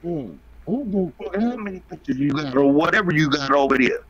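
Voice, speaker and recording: A man's voice: on the high side, a little fast, over a noisy crowd. A man arguing in a heated live-stream debate, aggressive and profane, hammering the same taunts again and again. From United States. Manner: aggressive, profane, taunting, repeats his jabs. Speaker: debate participant. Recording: dull lo-fi stream audio.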